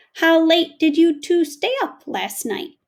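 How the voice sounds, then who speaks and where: Using a squeaky, put-on character voice, a woman speaks at an extremely high pitch with very wide pitch swings. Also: fairly slow pace. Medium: read story. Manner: brisk, matter-of-fact.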